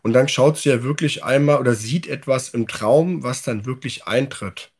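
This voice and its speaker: A man's voice: medium pitch, normal speed, slightly rough. A man speaking as a guest in a casual podcast discussion, thoughtful and hedging.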